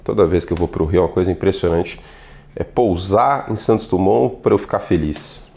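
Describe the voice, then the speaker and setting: A middle-aged man from São Paulo, his accent mostly neutralized, talks through football analysis on his own channel. His voice sits low, and he delivers it in a lively, playful, chatty way, slipping in asides as he goes. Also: a little fast, gravelly. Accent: neutralized São Paulo Portuguese. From São Paulo, Brazil. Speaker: NFL analyst and channel host. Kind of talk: solo football commentary video.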